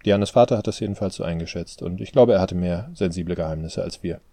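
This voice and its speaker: A man with a low, dark voice playing a tired adult son who talks tersely and with strain, in an audiobook. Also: fast, no echo. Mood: weary.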